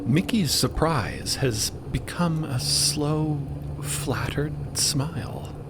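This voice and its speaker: A man's voice: on the high side, big pitch swings, extremely slow, heavy background noise. A man narrating an audio drama in a dramatic scripted storytelling style.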